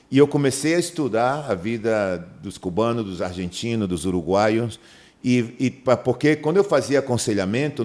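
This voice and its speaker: A middle-aged man from Manaus, Brazil, a pastor in a podcast interview who tells stories and acts out the dialogue. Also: medium pitch. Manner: animated storyteller, acts out dialogue in a raised voice.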